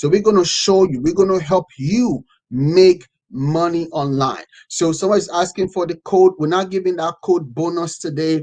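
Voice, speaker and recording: A man speaks with a Nigerian accent in an animated tone. His voice sits high in pitch. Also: ordinary pitch variation, moderate pace. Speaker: online business coach. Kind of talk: sales pitch. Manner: halting.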